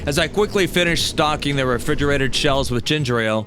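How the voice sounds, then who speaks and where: A man narrating a scripted personal story with dramatic pauses and wry amusement, as a storyteller recalling his own past. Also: fairly high pitch, noisy background. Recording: music behind the voice. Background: music bed.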